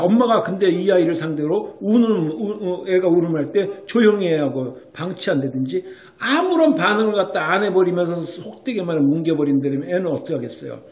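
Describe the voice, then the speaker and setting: Male doctor, high voice, emphatic explainer to parents, echoey room. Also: a little mellow. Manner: emphatic, keeps asking rhetorical checks like "right?". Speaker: Korean medicine doctor explaining child development.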